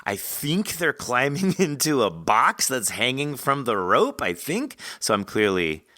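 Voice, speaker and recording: A man's voice: medium pitch, sing-song, a little slow, sharp tone, dry recording, studio quality. A man hosting a podcast, chatting casually and in a rambling way with his guest. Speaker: podcast host. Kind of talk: casual conversational interview.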